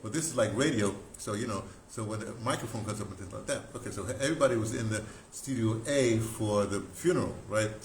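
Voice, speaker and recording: An older American man telling stories casually as a talk host, in an excitable, rambling way with broken, repeated phrases. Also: lowish voice, fast, few pauses. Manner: excitable, animated storyteller with broken, repetitive phrasing. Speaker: radio drama producer and talk host. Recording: roomy echo, clear background noise.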